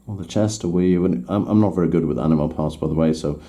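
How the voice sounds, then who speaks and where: A man's voice: a bass voice, quick pace, warm tone. A man whose first language is Swedish, talking through a miniature painting tutorial in English, hesitant and stopping to correct himself as he works. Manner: hesitant, restarts while working.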